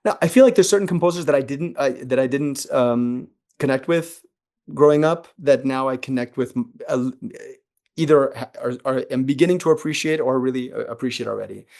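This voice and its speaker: A man's voice: medium pitch, fairly quick, darkish tone. A man, a guest conductor, answering interview questions in a reflective way, often restarting and repeating words. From born in Switzerland, raised in the United States.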